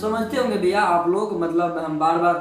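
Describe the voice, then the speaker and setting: A man's voice: high voice, moderate pace. A man who plays keyboard, talking casually to viewers between demos and checking in with them again and again. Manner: chatty, repeatedly checks in with listeners. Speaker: keyboard player and music teacher. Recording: echoey room, distant mic, keyboard music behind. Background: keyboard music.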